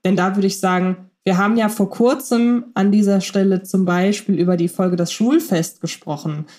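Female podcast host, relaxed and playful, chatty delivery. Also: medium pitch, normal speed. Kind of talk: casual fan podcast chat.

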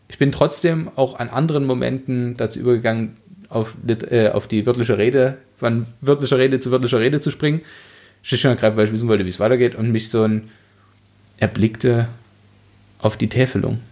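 A man's voice: medium pitch, steady tone, fairly quick, darkish tone. Man reviewing books in casual conversation. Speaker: podcast host. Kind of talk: casual book review discussion.

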